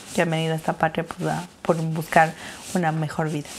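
Light background noise sits behind a woman talking very fast in a fairly low pitch. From Ecuador, Riobamba; Ecuador. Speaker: singer and influencer; influencer. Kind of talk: interview. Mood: warm, smiling, reflective. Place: studio. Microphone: lapel.

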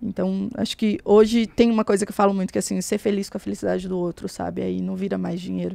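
The woman speaks at a fairly quick pace. The background is quiet, and the sound is dry with no echo. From Brazil, interior of Minas Gerais. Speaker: e-commerce entrepreneur and educator; podcast guest. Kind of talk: casual chat. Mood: warm, storytelling. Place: studio. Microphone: studio mic.

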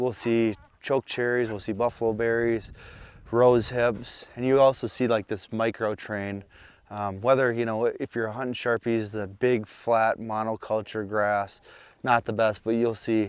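At a moderate pace, a man delivers monotone, flat speech with a dry sound and no echo. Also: quiet background. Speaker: host. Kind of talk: casual vlog chat. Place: open country. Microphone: lapel.

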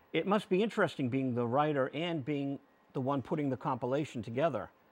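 A man talks in a plain, everyday voice at a fairly high pitch. His intonation is lively. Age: 50s. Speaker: cable access show host; radio show host. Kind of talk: interview. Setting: studio. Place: studio.

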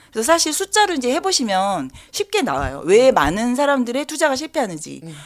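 Amid noticeable background noise, a woman talks very fast in a high pitch with very wide pitch swings. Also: big swings in loudness. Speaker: asset management executive. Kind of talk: explanatory interview.

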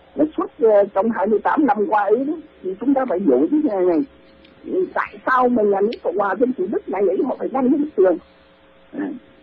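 Through noticeable background noise, a man with an extremely high pitch speaks at a moderate pace, pausing long and often as his pitch swings very widely. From northern Vietnam (Hai Phong). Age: 70s. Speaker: teacher and dissident. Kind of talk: interview.

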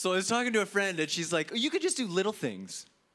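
A man uses a raised, projected voice at a high pitch. His tone is bright and sharp, with lively intonation. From grew up in Africa, born in Ottawa, Canada; Africa. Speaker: comedian and veterinarian; comedian. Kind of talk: stand-up. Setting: stage with audience. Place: stage. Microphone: handheld.

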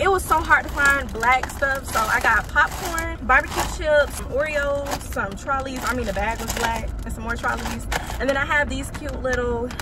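A voice moves at a moderate pace over background music, the sound dry with no echo. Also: woman. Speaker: vlogger. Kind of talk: casual vlog chat. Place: car. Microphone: phone near.

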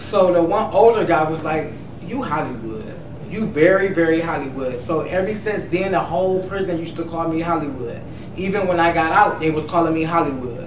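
Noticeable background noise runs under a man's voice. He speaks at a high pitch and a fairly quick pace. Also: ordinary pitch variation. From Cleveland, Ohio. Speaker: adult film performer. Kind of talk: interview. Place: studio.

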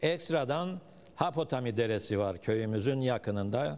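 His pitch swings very widely as this man talks at a fairly slow pace. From Cyprus. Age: 70s. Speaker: author and retired teacher; retired teacher. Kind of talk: interview. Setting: studio. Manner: fluent. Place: studio. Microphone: lapel.

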